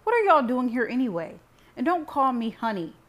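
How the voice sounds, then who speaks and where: A woman's voice: on the low side, normal speed, close to an everyday voice. A woman voicing a bitter, hot-tempered young man with a curt, snarling manner, in an audiobook reading. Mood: furious.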